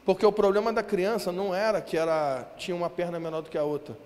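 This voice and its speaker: A man from Brazil preaching a sermon, telling a story in a lively, slangy way and acting out what people said. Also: high voice, quick pace. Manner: animated, slangy storytelling with acted-out quotes. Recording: reverberant hall with faint ambience.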